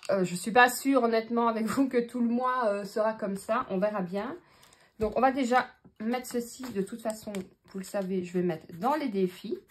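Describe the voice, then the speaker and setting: A woman's voice: fairly high pitch, normal speed. A woman with a Belgian French accent, chatting casually to her viewers while counting out her budget, thinking aloud with many fillers. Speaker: budgeting vlogger. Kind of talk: casual talk to camera.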